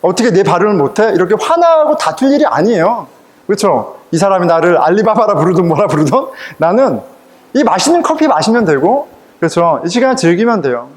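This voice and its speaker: Male pastor preaching, high voice, bouncy, jokey storytelling, keeps asking the congregation stuff. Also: sing-song, brisk. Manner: conversational, humorous, laughs while telling stories; asks the congregation questions. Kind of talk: sermon with personal anecdotes.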